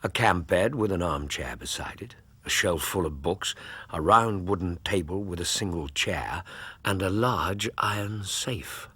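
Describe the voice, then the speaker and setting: A loyal doctor narrator; deep, raspy-edged voice. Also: male voice, measured pace, bright, forceful tone, dry recording, full character voice. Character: loyal, earnest male doctor companion. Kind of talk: radio drama narration and acting.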